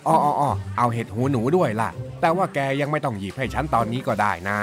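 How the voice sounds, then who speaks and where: A man's voice: medium pitch, expressive, fast talker, lightly acted. A man playing a grumpy, impatient old uncle in a children's radio drama. He scolds and blusters in rustic speech. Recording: music playing underneath.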